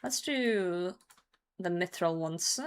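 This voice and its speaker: A woman's voice: on the low side, slow pace, smooth. Hungover woman streaming a game, sweary. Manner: sweary, reacting to chat and game. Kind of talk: casual live stream chat with gameplay commentary.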